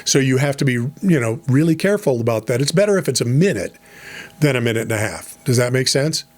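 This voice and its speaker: A man's voice: mid-range voice, quick pace. Easygoing middle-aged male voice coach. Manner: relaxed, conversational, with fillers and asides. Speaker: voice over coach. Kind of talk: casual instructional talk.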